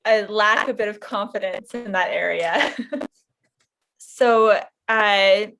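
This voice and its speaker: A woman's voice: medium pitch, takes it slowly, a bit bright, slight background noise, poor audio. A woman with a Canadian accent chatting casually as a podcast co-host. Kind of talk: casual chat.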